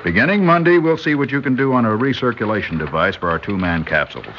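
A man's voice: mid-range voice, expressive, fast talker, close to an everyday voice. An actor playing a genial middle-aged male engineering boss in an old radio drama, hearty and paternal. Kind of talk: 1960s radio drama acting. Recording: dull lo-fi old radio recording with faint hiss.

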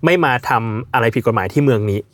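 A man's voice: medium pitch, fast talker, no room sound. A man chatting casually as a podcast host. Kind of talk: casual chat.

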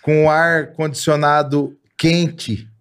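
Brazilian male singer, a lively, laughing storyteller with a slightly high voice. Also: slow, clear, resonant tone. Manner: animated, laughing, acts out the people in his stories. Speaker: singer and guest. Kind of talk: storytelling in casual chat.

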